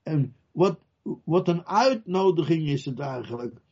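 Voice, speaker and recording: A man's voice: fairly high pitch, animated, measured pace, muffled recording. A man preaching a sermon, repeating his key phrases with emphasis and putting questions straight to his listeners. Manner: emphatic, repeats key phrases, acts out Bible scenes with loud cries; addresses listeners directly with questions.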